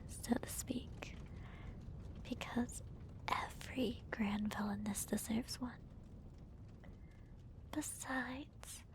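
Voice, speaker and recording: A smug villainess acted out by a woman whispers her gloating monologue in an ASMR roleplay. She draws each phrase out slowly and teasingly, in a breathy, fairly high feminine voice with a theatrical air. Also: a little mellow, poor audio. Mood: smug, playful. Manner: slow, deliberate, teasing, theatrical.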